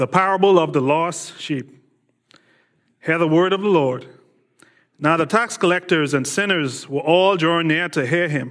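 A man with a Bahamian accent, a high pitch, ordinary pitch variation and a moderate pace, on a very clean recording with a silent background. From the Bahamas. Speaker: guest preacher. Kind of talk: sermon. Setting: church.

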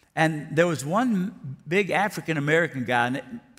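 This man speaks with a Texan accent. His pace is moderate and his pitch variation ordinary. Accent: Texan Southern US. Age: 60s. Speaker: pastor. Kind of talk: sermon. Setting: church.

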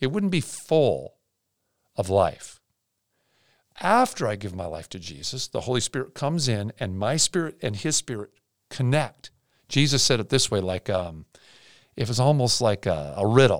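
A man with a medium pitch talks at a moderate pace with an energetic tone, very wide pitch swings and vocal fry, leaving long, frequent pauses in a dry, close sound with no echo. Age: 60s. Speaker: pastor. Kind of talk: sermon. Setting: studio. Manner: loud; energetic, earnest preaching with halting fillers.

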